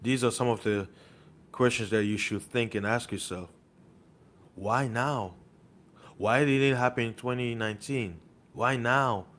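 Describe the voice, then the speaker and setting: A man's voice: medium pitch, measured pace, pauses often, fairly bright tone. A man delivering an impassioned monologue as an online preacher, insistent and full of rhetorical questions, repeating words for emphasis.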